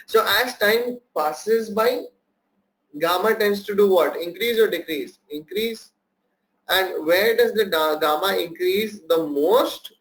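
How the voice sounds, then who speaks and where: A young man with a high-pitched voice teaches options trading in a live webinar. He throws questions at his viewers and circles back over key points to make them stick. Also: low-quality recording. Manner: asks the audience questions and repeats key points. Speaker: trading instructor. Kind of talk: live online workshop teaching.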